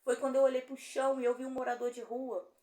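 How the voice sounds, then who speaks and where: A woman's voice: little pitch movement, quick pace, mellow. A middle-aged Brazilian woman pastor, preaching a sermon and telling a story, acting out the voices of the people in it. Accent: Brazilian Portuguese. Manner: storytelling, acts out dialogue with rising pitch. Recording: echoey room.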